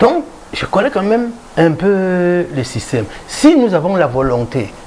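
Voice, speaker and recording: Noticeable background noise sits behind a man's voice. His tone is animated, with very wide pitch swings. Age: 60s. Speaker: opposition politician. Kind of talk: televised political interview. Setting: TV studio. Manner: animated, halting with repetitions.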